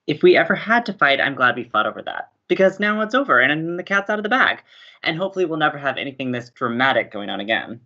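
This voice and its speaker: Man playing a very animated young college radio host. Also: fairly high pitch, fast, dull audio, full character voice. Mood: wry, assured. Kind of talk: audio drama acting.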